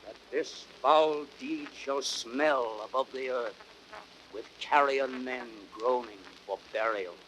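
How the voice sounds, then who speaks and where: A man's voice: mid-range voice, natural voice. An actor playing a Roman nobleman, a grieving and vengeful orator, in declamatory verse in a 1930s radio Shakespeare style. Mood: vengeful, rising fury. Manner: declamatory, theatrical, measured verse delivery. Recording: noisy old 1930s radio broadcast recording.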